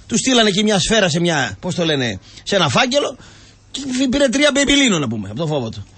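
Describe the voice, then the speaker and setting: A man's voice: high-pitched, very animated, a bit bright, breathy edge. A man who is a football pundit, ranting and mocking in a heated comic sports talk show. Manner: ranting, mocking, keeps cutting in.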